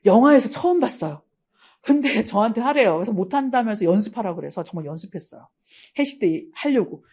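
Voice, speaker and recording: A woman's voice: mid-range voice, dark tone, slightly rough. Woman, middle-aged, from Gangwon, exam-prep lecturer, chatty, anecdotal. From Gangwon Province, South Korea. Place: lecture studio.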